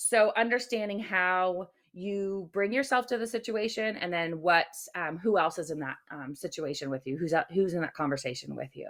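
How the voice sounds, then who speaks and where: A woman of medium pitch speaks at a moderate pace in an animated tone. The recording is very clean, with a silent background. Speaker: veterinary practice management consultant. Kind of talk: interview. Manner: loud.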